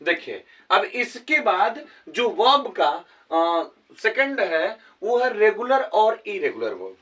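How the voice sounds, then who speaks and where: A man's voice: high-pitched, very animated, slow pace, pushed and bright, distant mic. A male English teacher giving a grammar lesson with a Hindi accent, explaining step by step and often asking his students whether they have understood. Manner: asks many rhetorical questions to check understanding.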